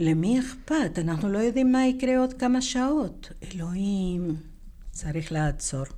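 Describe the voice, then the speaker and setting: A woman's dark, mellow voice with an Argentine accent, medium pitch and a fairly slow pace, very wide pitch swings and audible room echo. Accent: Argentine Spanish accent in Hebrew. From Argentina. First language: Spanish (speaking Hebrew). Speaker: payment analyst. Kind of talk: casual interview.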